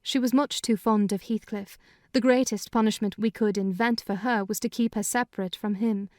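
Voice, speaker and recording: A woman narrating a dramatized audiobook reading in a measured storytelling manner. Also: mid-range voice, fairly even intonation, a little mellow, no room sound, studio quality.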